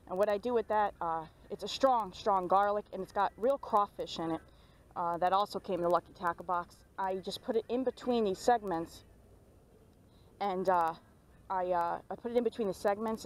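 A young woman chatting excitedly while fishing at a pond, filmed on a head-mounted action camera. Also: lowish voice. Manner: excited, chatty, laughs often. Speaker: fishing vlogger. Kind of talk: casual commentary while fishing. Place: outdoors at a pond bank.

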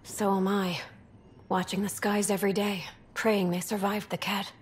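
A woman's voice: medium pitch, little pitch movement, moderate pace, slight background noise, lightly acted. A woman playing a haunted young alien survivor. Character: young asari refugee officer, shaken and grieving. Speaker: junior ark crew survivor. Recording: game audio with soft music behind.

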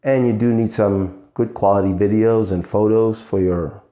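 A middle-aged man giving an earnest scripted sales pitch to camera, asking rhetorical questions. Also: fairly even intonation, moderate pace, dark tone, reverberant. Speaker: web agency owner pitching to restaurants. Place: indoor studio in front of a logo backdrop. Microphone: fixed camera, seated medium shot.

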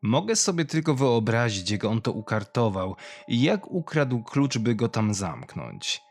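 A man's voice: mid-range voice, sing-song, a little slow. A man voicing a cold young woman killer who recounts her past in a confessional, menacing way in a horror story. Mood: brooding, haunted. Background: music.

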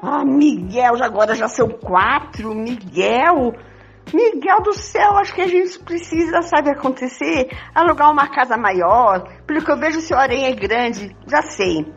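An older woman playing a pleading, jealous, melodramatic wife in an amateur radio soap opera, with a husky voice. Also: high voice, expressive, a little slow, full character voice. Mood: resigned. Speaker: amateur participant in a radio play. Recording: dull lo-fi audio with music.

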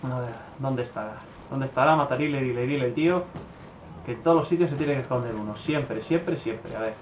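A man from giving casual commentary over his own gameplay, swearing a lot and breaking into loud outbursts. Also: medium pitch, fairly quick, roomy sound, noisy background. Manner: swears often, bursts into excited outbursts.

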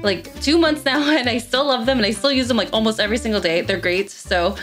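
A young woman in her twenties chats straight to camera from a small room. Her voice sits fairly high and loose, full of "like" and "um" as she answers questions. Faint music plays underneath. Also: fast talker, a bit bright. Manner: chatty, lots of "like" and "um" fillers. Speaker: tech reviewer. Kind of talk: casual Q&A talk to camera. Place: small room with gaming chair and LED lights, indoors.

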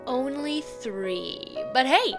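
A woman's voice: high voice, sing-song, slow, music in the background, heavily acted. A young woman acting a bubbly, chatty college theater student in an audio drama, with a breezy, chirpy manner. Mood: breezy, friendly. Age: young adult.

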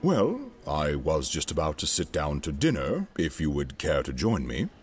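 An actor playing a proud, guarded imperial governor in an audio drama, speaking formally and with clipped defensiveness. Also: male voice, a bass voice, huge pitch swings, normal speed, slightly rough, faint music behind, exaggerated voice. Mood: guarded courtesy.

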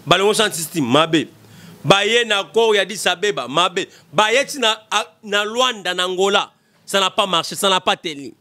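Emphatic high-voiced Congolese man. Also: animated, normal speed, bright, forceful tone. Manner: emphatic, repetitive, gesturing. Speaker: political commentator. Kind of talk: impassioned political commentary. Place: small studio. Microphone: desk mic in front.

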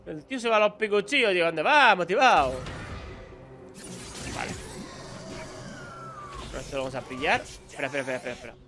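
Excitable high-voiced gamer man. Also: fairly quick, long pauses, soft background music. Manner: chatty and excitable, taunting enemies aloud. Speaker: gaming YouTuber. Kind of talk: live gameplay commentary.

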